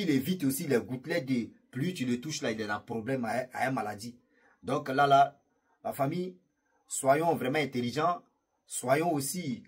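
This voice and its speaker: A man's voice: mid-range voice, darkish tone, husky. A man casually telling a story to his viewers, chatty and rambling, laughing at his own jokes and speaking to the audience directly. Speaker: YouTube storyteller.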